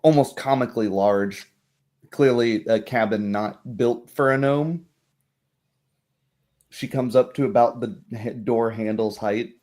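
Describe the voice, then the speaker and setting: A man narrating a tabletop game as game master, describing scenes in halting pieces. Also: mid-range voice, darkish tone.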